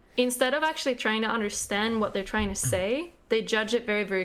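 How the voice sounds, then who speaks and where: Over noticeable background noise, a woman with a fairly high pitch talks at a fairly quick pace with ordinary pitch variation. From Sweden. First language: Swedish. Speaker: guest. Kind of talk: casual chat.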